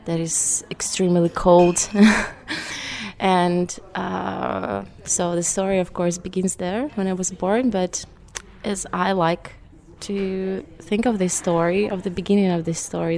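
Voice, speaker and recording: Woman from siberia telling a story, slow, lots of uhs, pretty flat voice. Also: fairly low pitch. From Siberia, Russia. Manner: hesitant, many "uh" fillers. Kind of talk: personal storytelling.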